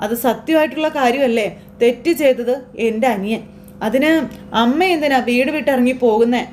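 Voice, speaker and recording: A woman's voice: a little high, a little mellow, a little hiss or hum. A woman casually retelling a TV serial episode as a chatty storyteller, quoting the characters' lines herself. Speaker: serial recap narrator.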